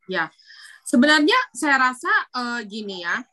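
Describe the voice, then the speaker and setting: A woman's voice: fairly high pitch, big pitch swings, unhurried, pushed and bright. A middle-aged woman guest talking casually, explaining patiently with many fillers. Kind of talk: casual conversation.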